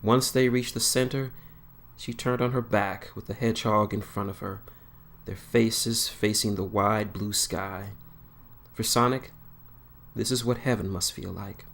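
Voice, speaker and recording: A man reading his own fan fiction aloud, unhurried and plain, with small slips. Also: on the low side, steady tone, creaky, fairly bright tone.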